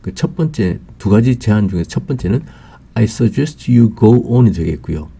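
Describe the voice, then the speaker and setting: Dark, gravelly-voiced male Korean English teacher. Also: on the low side, animated. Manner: slow and careful, drawing out English example phrases, with frequent "ah" fillers. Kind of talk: explaining grammar in a recorded lesson.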